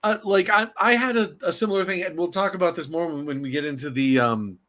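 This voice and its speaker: A man's voice: a little high, quick pace, a bit bright. A man from the Boston area co-hosting a casual wrestling podcast over a remote streaming call, joking and rambling with lots of restarts. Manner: rambling, self-interrupting, jokey. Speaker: podcast co-host.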